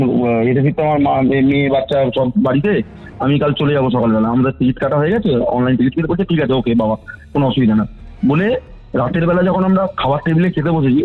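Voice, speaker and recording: Male caller, 30s, narrates a personal account over a phone-like line, restarts often. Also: fairly high pitch. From West Bengal, India. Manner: rambling, self-correcting, quotes others. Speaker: caller telling a ghost story. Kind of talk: phone-call storytelling. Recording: phone-line recording with faint music.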